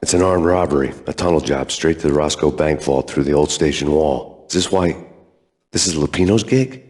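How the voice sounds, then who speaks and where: A man playing a hard-boiled, world-weary cop in a video game, terse and deadpan. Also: rumbling low, normal speed. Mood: grim, deadpan. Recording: echoey hall reverb.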